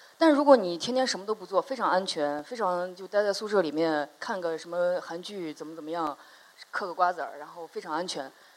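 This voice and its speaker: Speaking at a fairly quick pace, a woman with a fairly low pitch uses lively intonation and big swings in loudness. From northwest China, raised in several cities. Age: 30s. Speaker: public speaker. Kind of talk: motivational talk. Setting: stage with audience.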